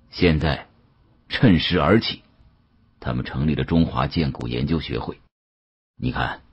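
A grave older male official , acted by a male audiobook narrator, speaks with slow weight and knowing authority. The voice is extremely low and badly husked. He lectures cryptically, in a close, dry recording. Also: breathy edge, no echo, highs cut off, exaggerated voice.

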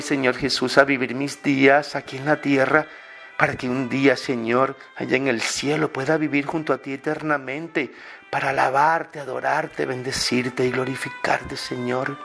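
A man leading a slow, fervent spoken prayer, pleading and pausing often. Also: a little high, fairly bright tone. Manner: pleading, fervent, many pauses. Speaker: prayer leader. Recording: clear music bed under the voice. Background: music.

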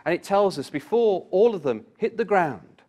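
A man's voice: high-pitched, big pitch swings, normal speed, dark tone. A man giving a Bible study talk, reading scripture aloud with rising emphasis and turning to the listeners with direct questions. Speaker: Bible class speaker.

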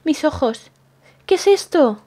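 A woman's voice: high-pitched, animated, slow, warm tone. A woman playing a jumpy young woman in an improvised game roleplay, stammering and repeating words when startled. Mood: jittery, flustered. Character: jumpy young woman, easily frightened and fussy. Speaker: roleplay channel host.

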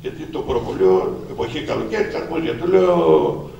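Gravelly older man telling stories in an echoey hall. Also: on the low side, big pitch swings, warm tone, dull audio. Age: 60s. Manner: anecdotal, addresses listeners directly and acts out old dialogues. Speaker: author presenting his book. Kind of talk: personal storytelling to an audience. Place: event hall at a book presentation. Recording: echoey hall, distant mic, faint noise.

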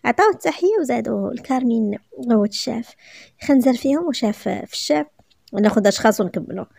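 A woman with a Moroccan accent reading a romance story aloud as a storyteller, in brisk, lively narration. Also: on the high side, gravelly, no room sound, studio quality.

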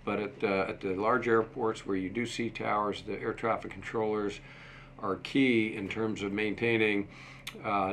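A man in his sixties answering interview questions in a measured, halting way, pausing as he goes. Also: lowish voice, a bit bright, a little hiss or hum. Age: 60s. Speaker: interview guest, museum deputy director and former airport manager. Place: small indoor office set. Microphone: desktop microphone shared at a table.

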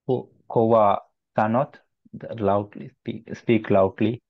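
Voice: medium pitch, steady tone, creaky, no room sound, narrow, tinny audio. A language learner in an online Finnish class, speaking hesitantly with many restarts.

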